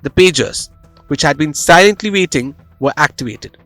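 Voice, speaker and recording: A man with a fairly high-pitched voice narrates a scripted news explainer. He tells it like a dramatic story. The recording is dry and close, with music playing behind him. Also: lively intonation, normal speed, fairly bright tone, no echo. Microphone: close studio voice-over microphone.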